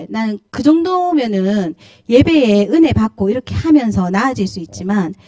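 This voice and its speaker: In a church sanctuary, a pastor's wife preaches an energetic Friday service sermon with no echo on the recording. The middle-aged Korean woman has a mid-range voice, laughs frequently, and animatedly acts out quotes of scolding.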